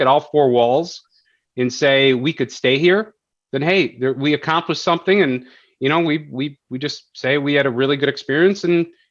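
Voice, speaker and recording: Fairly quick male speech at a fairly high pitch, the pitch varying in an ordinary way. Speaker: commercial real estate broker. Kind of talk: podcast interview. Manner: loud at times; animated.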